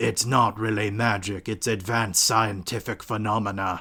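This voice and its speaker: In a raspy, put-on character voice at a fairly low pitch, a man speaks at a moderate pace on a very clean recording with a silent background. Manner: grandiose, boastful.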